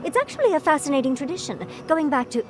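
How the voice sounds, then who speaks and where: A woman's voice: sits high, fast, noisy background. A woman playing an eager, chatty young scholar adventurer in a fantasy game. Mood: eager, excited. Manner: animated, chatty, enthusiastic explainer. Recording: game audio with music behind.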